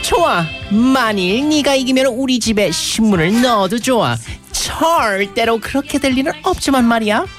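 Casting: man playing a haughty cartoon schoolgirl rival, sneering, pitched high with big swoops. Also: expressive, normal speed, hardly any pauses, over music. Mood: smug, mocking. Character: smug, taunting young girl rival from a cartoon.

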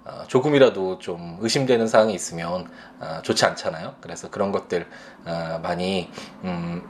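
A man with a very deep voice talks about raising his son. He speaks slowly and hesitantly, filling pauses with soft sounds as he gathers his thoughts. His tone is reflective and personal. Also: slight background noise. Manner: slow, hesitant, many fillers. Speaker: father.

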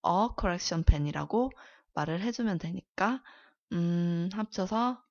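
A woman thinking aloud slowly while she practices simple English questions in a casual lesson chat. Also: medium pitch, a little mellow, muffled recording. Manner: slow, thinking aloud, laughs often.

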